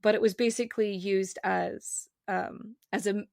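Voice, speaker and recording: A woman guest with a regional accent on a podcast, chatting casually and rapidly, cutting herself off with fillers. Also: mid-range voice, steady tone, gravelly, darkish tone, no echo, clean studio sound. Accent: non-standard regional accent. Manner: rapid, self-interrupting, with frequent fillers.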